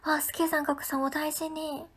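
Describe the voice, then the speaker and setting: With a level tone and moderate pace, a high-pitched Ehime woman reads viewer comments during a casual livestream. She sounds friendly and chatty, has a local Ehime Japanese lilt, and often lapses into soft, breathy half-whispers.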